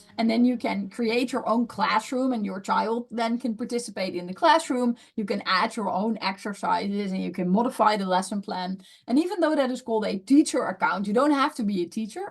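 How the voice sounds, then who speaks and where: This woman's voice is fairly high and somewhat breathy. She speaks at a fairly quick pace. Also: ordinary pitch variation, hardly any pauses. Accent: Dutch. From Netherlands. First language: Dutch. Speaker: professor. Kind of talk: interview.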